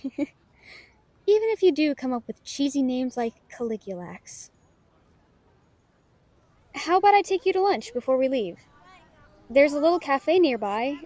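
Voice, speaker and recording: A woman's voice: high voice, a little mellow. A woman playing a playful, self-doubting young novelist, chatty and teasing, in an intimate audio roleplay addressed to a friend.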